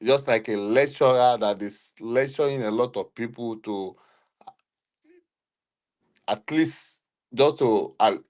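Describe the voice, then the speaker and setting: A man from Nigeria speaking haltingly with many pauses as a panelist in a live online discussion. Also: lowish voice, dark tone. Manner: halting, hesitant, many fillers. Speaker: panelist on a live audio show.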